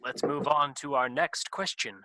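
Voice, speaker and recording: A man's voice: medium pitch, moderate pace, sharp tone, no room sound, poor audio. A man playing an exasperated newlywed game show host in a comedy sketch reading. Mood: brisk, chipper.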